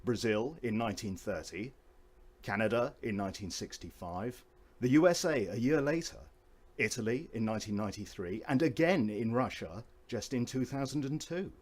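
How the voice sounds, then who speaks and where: A man with a medium-pitched voice narrates a documentary from a script. His delivery is formal and measured, in the manner of a storyteller laying out an account.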